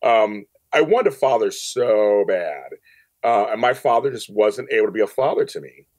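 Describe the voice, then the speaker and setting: A man's voice: lowish voice, animated, moderate pace, a little mellow, no room sound. A middle-aged man talking candidly as a podcast guest, emphatic and repeating phrases to make his point. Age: middle-aged or older, grandfather. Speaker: podcast guest, media company CEO. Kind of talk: candid conversational interview.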